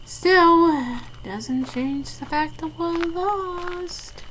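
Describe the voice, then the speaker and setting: A woman's voice: very high voice, drawn-out words, a bit bright, a little hiss or hum, full character voice, poor audio. A woman playing a sarcastic, dryly spoken character lost in the woods in a scripted horror-show skit, grudging but game. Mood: resigned. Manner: dry, sarcastic.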